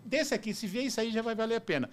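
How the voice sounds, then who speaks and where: A man's voice: very high voice, fast, slight background noise. A man with a Brazilian Portuguese accent chatting about podcasts in a bar. He talks with enthusiasm and often hunts for the right word. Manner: animated, enthusiastic, searches for words. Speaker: podcast guest, marketing professional. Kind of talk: casual chat.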